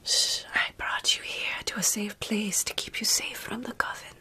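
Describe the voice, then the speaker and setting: A woman in her thirties whispering slowly and soothingly in an ASMR roleplay, playing a caring, centuries-old vampire close to the microphone. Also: mid-range voice, fairly even intonation, husky. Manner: soothing, hushing, slow and deliberate.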